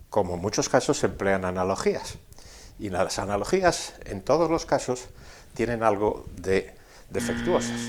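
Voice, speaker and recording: A man giving a didactic science explanation as a lecturer, deliberate and step by step, posing rhetorical questions. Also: lowish voice. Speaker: physics lecturer explaining at a board.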